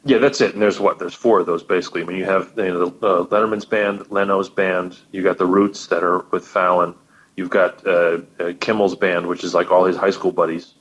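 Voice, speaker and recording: Low-voiced man on a dull, lo-fi line. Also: little pitch movement, a little fast, fairly bright tone, slight background noise. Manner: enthusiastic, repeats words as he thinks. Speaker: guest, professional musician. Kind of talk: casual chat.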